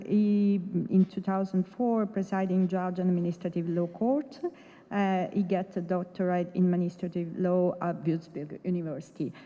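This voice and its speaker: A woman moderator introduces the next speaker at a conference, pausing often with fillers. Her voice is mellow at a middle pitch and carries a long echo from a large hall. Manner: halting, hesitant with fillers. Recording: reverberant lecture hall.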